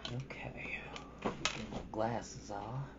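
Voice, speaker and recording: A storytime host with a medium-pitched voice, chatting casually and informally with rambling asides and reading from a storybook. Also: fairly even intonation, drawn-out words, heavy background noise. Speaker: host of a storytime livestream, reading a novel aloud. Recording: dull lo-fi audio with background music. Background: ambient background music.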